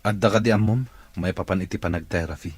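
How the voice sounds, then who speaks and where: A Filipino man acting a bitter, discouraged man in a wheelchair in a radio drama, gloomy and husky. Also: low voice, quick pace, dry recording. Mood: sullen, reluctant. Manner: gloomy, reluctant.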